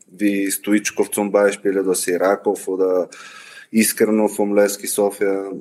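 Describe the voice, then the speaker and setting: Talking at a very slow pace, a man with a fairly low pitch keeps a monotone, flat intonation. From Bulgaria. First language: Bulgarian (speaking German). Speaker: former footballer. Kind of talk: casual interview. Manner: halting.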